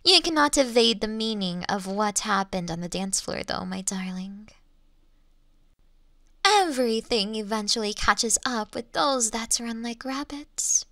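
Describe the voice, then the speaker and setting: A woman playing an ancient, elegant monster in a Victorian fantasy audio drama, teasing her hunter in archaic, formal phrases with lingering pauses. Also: fairly high pitch, animated, sharp tone, no echo, studio quality, exaggerated voice. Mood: teasing, flirtatious. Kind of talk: slow theatrical roleplay monologue in Victorian fantasy audio drama.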